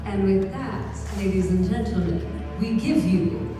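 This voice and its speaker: A woman playing a theatrical storyteller, giving a measured, showy scripted introduction to a gothic tale before live guests. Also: mid-range voice, lightly acted. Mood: showy, presenting. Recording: echoey hall from far off, music behind.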